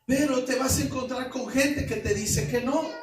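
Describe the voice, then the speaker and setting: A man's voice: very high-pitched, moderate pace, background noise. A Mexican-accented pastor in his forties preaching a sermon, telling stories with colloquial asides and rhetorical questions. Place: church hall. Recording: echoey church hall, mic at a distance.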